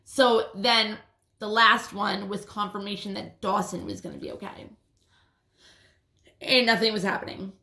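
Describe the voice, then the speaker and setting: A woman's voice: mid-range voice, steady tone, measured pace, pauses often, bright, forceful tone. A woman with a lisp telling a rambling personal story in a casual, swear-filled way, often restarting her sentences. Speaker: vlogger. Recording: roomy echo.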